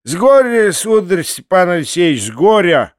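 A man's voice: high-pitched, very animated, moderate pace, dry recording, clean studio sound, voice pushed up. A man voicing a ragged, drunken carpenter with a thin, rattling voice who drawls slyly and mournfully. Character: drunken ragged middle-aged male carpenter.

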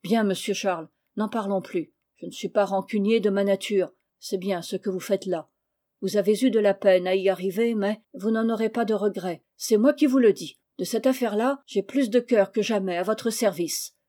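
A woman's voice: medium pitch, normal speed, warm tone, natural voice. A woman reading as a blunt, honest, good-hearted male farmhand with rustic turns of speech in a storybook. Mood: forgiving, plain.

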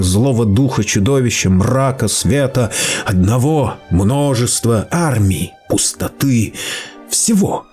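Male narrator, mid-pitched, steady storytelling delivery, faint music bed.

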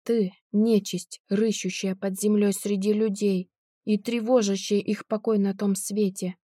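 A woman voicing an elderly gentleman who is quick to anger and indignant, often crying out in an audiobook. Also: mid-range voice, little pitch movement, no room sound, studio quality, lightly acted. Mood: outraged. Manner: shouting, indignant.

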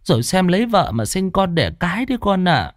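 A man voicing a kindly old village woman who speaks softly and fusses over others. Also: high-pitched, sing-song, moderate pace, dry recording, studio quality, pitched above the performer's own voice. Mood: tender. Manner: soft, fussing, pleading.

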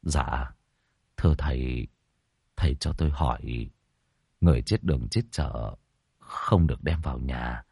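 Man doing a quiet, humble grieving father. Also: extremely low pitch, measured pace, creaky, long pauses, breathy edge, no echo, clean studio sound, voice pushed down, heavily acted. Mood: subdued. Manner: quiet, polite, restrained.

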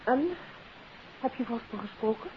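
A detective's well-to-do wife played by an actress in a 1950s radio play. Her voice is high, heard through a tinny, narrow recording with clear hiss. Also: moderate pace, lightly acted. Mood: light, curious. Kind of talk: 1950s radio drama acting.

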